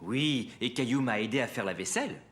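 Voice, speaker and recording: A man voicing a patient, reassuring father in a French children's cartoon, speaking gently and expressively. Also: mid-range voice, lively intonation, a little fast, natural voice. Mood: chatty.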